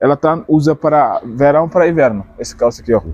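The speaker talks at a fairly quick pace with ordinary pitch variation over a quiet background. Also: man. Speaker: store owner. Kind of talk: sales pitch. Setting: shop. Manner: repetitive, with 'entendeu?' and 'tá?' after nearly every point. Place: shop. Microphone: phone near.

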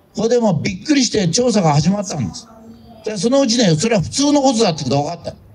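Lively intonation marks the high voice of this man. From Japan. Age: 80s+. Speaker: politician. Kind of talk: street political speech. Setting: outdoors. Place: street. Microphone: handheld.

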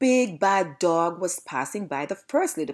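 The reading voice sounds natural.

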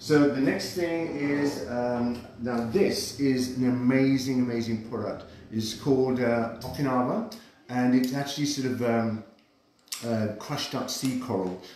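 A man's voice comes through audible room echo and light background noise. He talks at a fairly slow pace. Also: ordinary pitch variation. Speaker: wellness coach. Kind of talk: tutorial. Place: kitchen. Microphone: camera far.

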